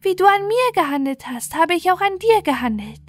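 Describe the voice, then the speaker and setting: Woman putting on a high-pitched eager little hare. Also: big pitch swings, a little fast. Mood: grateful. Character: small grateful talking hare, quick and eager.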